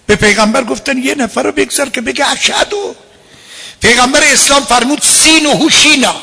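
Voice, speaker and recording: A man giving a religious lecture as a cleric, emphatic and at times rising to a shout. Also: extremely high pitch, breathy edge.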